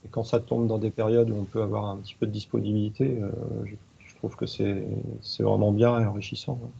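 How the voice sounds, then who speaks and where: A man's voice: lowish voice, level tone, a little fast, vocal fry, mellow, husky, lo-fi sound. A man, speaking as an expert evaluator in a webinar, talking hesitantly with many fillers and restarts. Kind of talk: webinar discussion.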